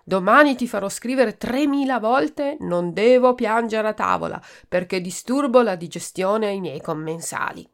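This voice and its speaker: A woman's voice: mid-range voice, expressive, normal speed, hardly any pauses, pitched above the performer's own voice, natural voice. A woman voicing a stern, pompous priest who scolds a child. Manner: stern, threatening.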